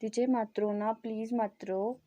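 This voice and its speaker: A woman voicing a young man, a protective younger brother who soothes and pleads gently in a told story. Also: fairly high pitch, steady tone, slow pace, muffled recording. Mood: soothing. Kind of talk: storytelling fan fiction.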